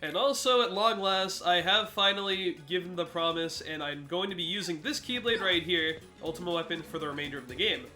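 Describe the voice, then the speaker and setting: A man with a high, bright voice walks viewers through a boss fight in a relaxed let's play style. His nose sounds congested, and he explains each step patiently. Faint game music plays underneath. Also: brisk, few pauses. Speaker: gaming commentator.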